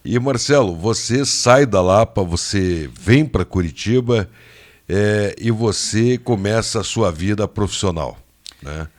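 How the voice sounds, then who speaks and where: A man hosts an interview on a studio radio program. His voice is low, and he keeps the talk chatty, often jumping in with short questions. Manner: chatty, jumps in with quick questions. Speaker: radio host.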